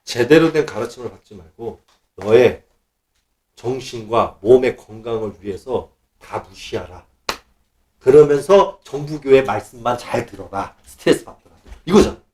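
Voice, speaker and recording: A middle-aged man preaching a sermon, animated, acting out mocking quoted voices. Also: medium pitch, normal speed.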